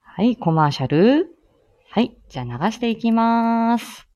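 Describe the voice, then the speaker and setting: A woman's voice: a little high, lively intonation, unhurried, dark tone, highs cut off. Flustered, chatty woman live-streaming. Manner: flustered, chatty, many fillers and small laughs. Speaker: speech therapist and live-stream host. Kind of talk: casual solo live stream.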